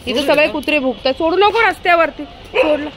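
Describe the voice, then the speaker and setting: Woman, high voice, chatty vlog talk, noisy traffic behind. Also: lively intonation, fairly quick. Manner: chatty, coaxing her dog along. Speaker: vlogger. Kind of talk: casual vlog narration. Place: car and street at night.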